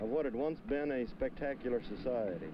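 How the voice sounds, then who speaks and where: A man talks at a fairly quick pace. There is noticeable background noise behind him. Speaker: anthropologist professor. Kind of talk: explanatory documentary commentary, lecture-like. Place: waterside.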